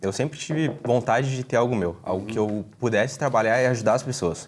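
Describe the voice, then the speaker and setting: A man with a plain, everyday voice at a moderate pace. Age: young. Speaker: marketing agency entrepreneur. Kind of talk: interview.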